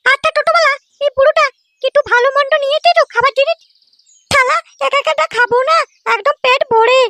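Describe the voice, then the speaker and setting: A woman's voice: very high voice, quick pace, pushed and bright, full character voice. A woman voicing a greedy, nosy little grandchild in a comedy cartoon, cheeky and exclaiming. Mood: nosy, indignant.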